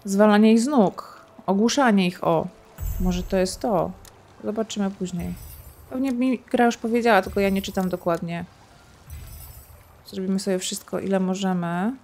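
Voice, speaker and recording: A woman's voice: medium pitch, steady tone, normal speed, a little mellow. Chatty woman narrating her gameplay. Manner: chatty, thinks aloud, playful sound effects. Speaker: gaming streamer. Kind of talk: casual let's-play commentary.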